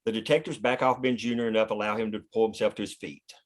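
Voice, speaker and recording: A man's voice: lowish voice, flat delivery, fast. A man reading stage directions as the narrator of a screenplay, in scripted narration.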